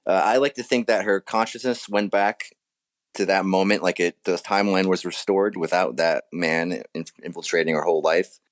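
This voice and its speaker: Deep voiced guy, writer guest on a podcast, explains stuff casually, keeps rephrasing mid sentence. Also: steady tone, moderate pace. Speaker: author guest being interviewed. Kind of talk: casual explanatory interview talk.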